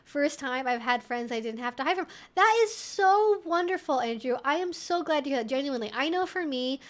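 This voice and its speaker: This woman's voice is high-pitched, expressive and a little fast. She hosts a casual livestream, giggling often as she chats with viewers in a playful, wry, mock-serious way.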